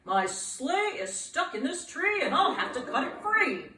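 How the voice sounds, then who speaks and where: A woman's voice: sits high, sing-song, a little slow, pushed and bright, roomy sound, distant mic, exaggerated voice. A woman voicing a kindly, jolly old Santa Claus during a storybook reading. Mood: flustered.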